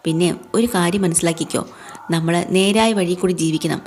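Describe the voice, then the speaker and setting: A woman's voice: on the low side, moderate pace, darkish tone, slight background noise, close to an everyday voice. A woman reading a defiant young wife.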